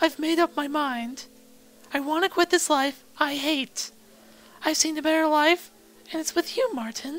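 A female-sounding voice in a put-on character voice, high in pitch, goes at a moderate pace with long, frequent pauses over faint music in the background. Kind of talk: comic overacting. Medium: solo performance.

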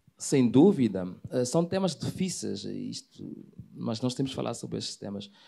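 Against a quiet background, a man with a dark, mellow voice and vocal fry talks at a moderate pace, with very wide pitch swings and long, frequent pauses. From Mozambique. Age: 40s. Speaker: poet and publisher; poet. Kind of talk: panel discussion. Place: hall. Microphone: handheld.

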